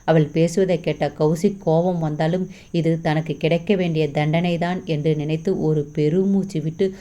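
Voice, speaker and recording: Woman narrator, low and mellow, steady novel reading, slightly dull recording. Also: moderate pace. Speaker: storyteller.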